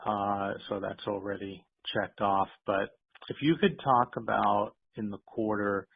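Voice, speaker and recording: A man with a fairly low, gravelly voice phones in as an analyst. He asks his questions in a friendly, polite, informal way over a tinny line. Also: steady tone, unhurried. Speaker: analyst caller asking questions. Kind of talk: informal question on earnings call. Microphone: telephone.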